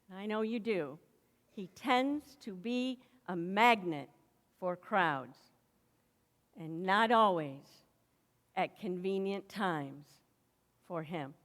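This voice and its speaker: A woman pastor delivering a sermon slowly and deliberately, with dramatic pauses between phrases. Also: mid-range voice. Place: church sanctuary. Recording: echoey church hall.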